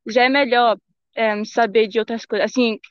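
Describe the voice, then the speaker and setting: A woman's voice: fairly high pitch, fairly even intonation, moderate pace, clean tone, no echo, lo-fi sound. A teenage girl with a Bahian Brazilian accent, chatting casually as an interview guest and searching a little for her words. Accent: Bahian Brazilian Portuguese. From Brazil and Germany. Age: young teenager, fourteen.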